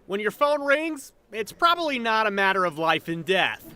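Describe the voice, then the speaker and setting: Male American TV reporter, notably high voice, news delivery. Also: sing-song, moderate pace, bright, forceful tone, clean tone. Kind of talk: scripted news narration.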